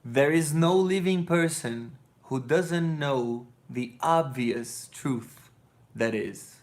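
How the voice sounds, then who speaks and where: A man's voice: medium pitch, takes it slowly. A man in his thirties with a Brazilian accent, sleepy and rambling loosely as he answers chat on a live stream from his living room. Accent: Brazilian Portuguese. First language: Portuguese. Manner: loose, digressive, self-correcting, blunt. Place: living room with couch and colored lights.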